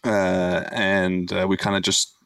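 An Italian-born man with an American accent, a podcast guest talking in a relaxed way with many pauses. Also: sits low, creaky, no room sound. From Italy. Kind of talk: casual interview chat. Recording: distant dry mic.

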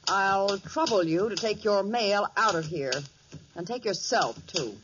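A woman's voice: medium pitch, expressive, a little slow, close to an everyday voice. An actress playing a composed, curt female office boss in a 1940s radio drama. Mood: icy. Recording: muffled old radio recording, loud noise.

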